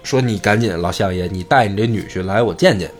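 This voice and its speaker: A man's voice: fairly low pitch, fairly quick, soft background music. A man telling a folk tale in a chatty, joking comic storytelling style.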